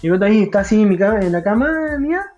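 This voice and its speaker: A young Chilean man telling a story to friends at a quick clip. He acts out the voices of the people in it and drops slang constantly. Faint music plays behind him. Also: high-pitched, muffled recording. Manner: animated, acts out quoted voices, heavy slang. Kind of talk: casual chat.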